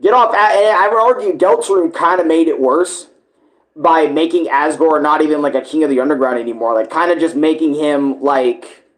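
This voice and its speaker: A man's voice: on the high side, normal speed, poor audio. A man giving casual live reaction commentary, rambling bluntly and informally with heavy swearing. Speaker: reaction streamer.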